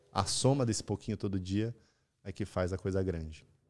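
A man's fairly low-pitched voice, dark and mellow in tone, at a moderate pace, with a dry, close sound with no echo and a very clean recording over a silent background. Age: 30s. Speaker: personal trainer. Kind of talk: casual interview.

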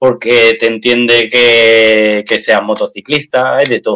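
Here a man speaks with a Spanish accent. His tone is bright and sharp. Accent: Spanish (Spain). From Spain. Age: 40s. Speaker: DJ and blogger. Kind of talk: casual chat.

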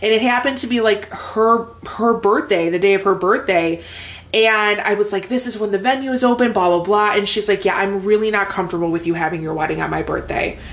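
Noticeable background noise accompanies a woman speaking in an animated tone at a fairly quick pace. Her pitch is medium, with ordinary pitch variation. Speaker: podcast co-host. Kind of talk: casual chat.

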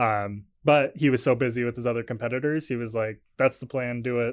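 In a normal speaking voice, a man at medium pitch talks at a fairly quick pace with fairly even intonation on a very clean recording with a silent background. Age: 20s. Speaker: novelist. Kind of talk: casual chat.

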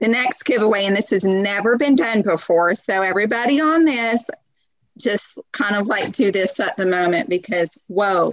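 A woman with a Texas accent speaks at a moderate pace and medium pitch, her intonation lively.

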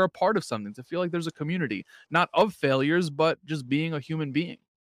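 Very fast speech from a man with an American accent, dry and close with no echo, on a very clean recording with a silent background. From New York City. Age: 20s. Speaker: entrepreneur and podcaster. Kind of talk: interview conversation. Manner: animated.

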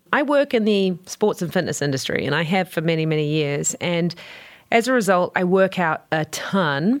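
In a very clean recording with a silent background, a woman with a fairly low pitch speaks at a moderate pace with ordinary pitch variation. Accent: New Zealand. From New Zealand. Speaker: entrepreneur, company CEO and author. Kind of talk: storytelling monologue, personal stories. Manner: animated, energetic.

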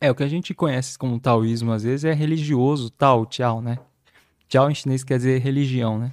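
A man with a plain, everyday voice and ordinary pitch variation is heard in a very clean recording with a silent background and a dry, close sound with no echo. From born in Taiwan, raised in Brazil from age five. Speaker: Mandarin teacher and Chinese philosophy scholar. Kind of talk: interview conversation.

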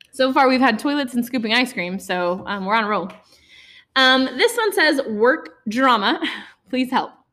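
A woman with a high pitch uses a raised, projected voice and lively intonation, speaking at a fairly slow pace with long, frequent pauses. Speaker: podcast host and teacher. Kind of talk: casual chat.

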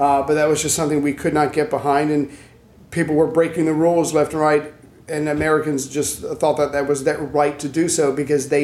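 A man's fairly high-pitched voice, monotone with flat intonation, at a fairly quick pace amid noticeable background noise. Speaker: podcast co-host. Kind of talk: casual chat. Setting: hotel room.

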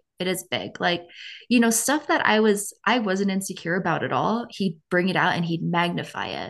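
A woman speaks at a medium pitch with vocal fry. The background is quiet. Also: ordinary pitch variation, moderate pace. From Hawaii. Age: 30s. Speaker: domestic abuse survivor. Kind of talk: testimony. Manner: halting.

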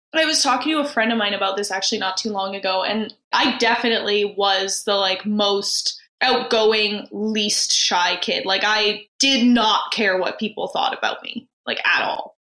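A woman with an unremarkable speaking voice, fairly high in pitch, at a moderate pace with ordinary pitch variation and hardly any pauses. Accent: Canadian. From Vancouver, Canada. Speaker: actress. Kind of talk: casual interview chat.

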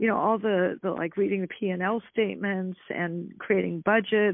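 With an American accent, a woman speaks at medium pitch with ordinary pitch variation in a plain, everyday voice. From US Midwest, Detroit, Michigan. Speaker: publicity consultant and speaker. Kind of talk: interview.

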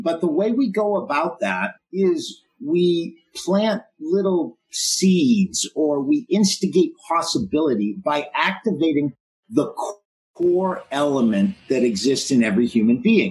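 A man with an American accent, high in pitch, with very wide pitch swings, very even loudness and a very slow pace. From Boston. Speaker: CEO and play coach. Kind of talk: interview. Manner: animated.

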